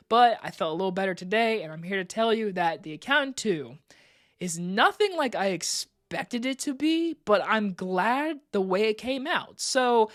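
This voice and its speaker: A woman's voice: medium pitch, a bit bright. A woman giving a casual movie review in a stuffy, congested voice from allergies, rambling and chatty. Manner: rambling and chatty, with many "like" fillers.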